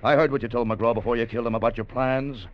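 An actor playing a calm, stern man in a 1940s radio drama, speaking in a cool, level, quietly menacing way. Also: medium pitch, fast, close to an everyday voice. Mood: cold. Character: calm, stern man who turns in a killer. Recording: dull old radio broadcast, faint noise.

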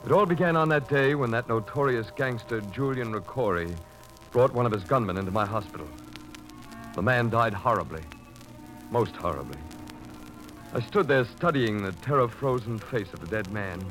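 A man's voice: medium pitch, animated, fairly bright tone, soft background music, lightly acted, poor audio. A man playing a stern, rational but troubled doctor, with formal 1940s radio diction on a vintage recording. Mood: grave, bewildered. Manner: formal, grave, measured diction. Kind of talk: 1940s radio drama acting and narration.

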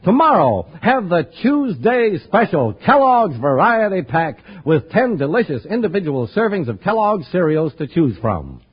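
A man's voice: sits high, sing-song, normal speed, hardly any pauses, slightly rough. An American man in a polished, promotional old-time radio announcer delivery, reading a script. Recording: dull old radio recording, faint music.

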